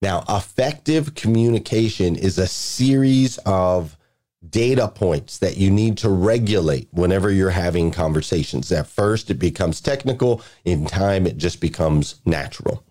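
A middle-aged man delivers a motivational talk on leadership. He speaks with energy and emphatic repetition, drilling his points home. He slips into lively storytelling to make them stick. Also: low-pitched, measured pace. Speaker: podcast guest speaker, leadership coach.

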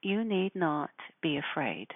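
A woman speaking in a measured, deliberate way, giving spiritual instruction and guided meditation. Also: sits low, sing-song, dry recording. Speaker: spiritual teacher guiding listeners. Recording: narrow phone-like sound.

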